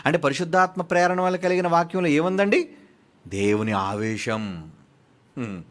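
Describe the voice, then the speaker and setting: A man preaching a sermon who swings between soft and loud, fires off rhetorical questions, and reads scripture slowly and emphatically. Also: a little high, lively intonation.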